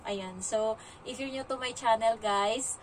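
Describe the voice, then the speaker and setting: A woman's voice: fairly high pitch, a little slow, recorded from a distance, a little hiss or hum, rough recording. A young woman from the Philippines, a domestic helper, chatting casually in a vlog and retelling her day with lots of fillers.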